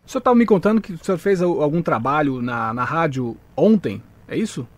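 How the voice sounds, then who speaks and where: A man's voice: a little high, lively intonation, a little fast, no echo. A man hosting a live radio interview in a polite, admiring manner.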